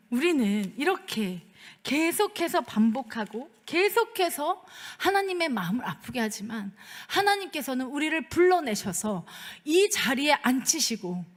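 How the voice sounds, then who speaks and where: Lively high-voiced woman preaching in a church. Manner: conversational, asks the congregation for agreement, acts out dialogue. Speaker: pastor. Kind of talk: sermon with personal storytelling. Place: church sanctuary. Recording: long church reverb.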